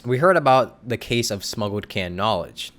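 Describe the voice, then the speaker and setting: A man's voice: lowish voice, lively intonation, moderate pace, a bit bright. A man casually streaming a video game live, reacting aloud as he plays.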